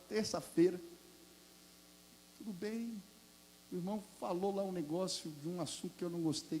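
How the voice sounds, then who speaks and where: A Brazilian man preaching a sermon in a church, telling personal stories with sudden loud bursts. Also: sits high, big-room sound. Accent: Brazilian Portuguese. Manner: animated, confessional, storytelling with sudden loud peaks. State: hoarse from throat infection. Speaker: pastor. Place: church sanctuary.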